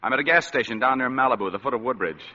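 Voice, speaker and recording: An actor playing a world-weary, wisecracking private detective who also narrates, in a 1940s radio drama. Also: male voice, medium pitch, very fast, bright, forceful tone. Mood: sardonic. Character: wisecracking hard-boiled private eye, weary man. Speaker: narrator of the story. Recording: dull lo-fi old radio broadcast.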